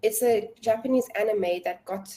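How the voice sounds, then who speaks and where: A woman's voice: medium pitch, normal speed, mellow. A South African woman in her twenties, a language tutor chatting casually in an interview, with many fillers and easy laughs.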